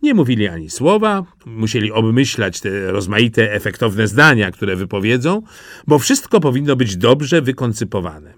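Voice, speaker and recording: A man narrating a fairy tale for an audiobook, very expressive and animated. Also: normal speed, no room sound, studio quality. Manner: highly expressive, animated storytelling.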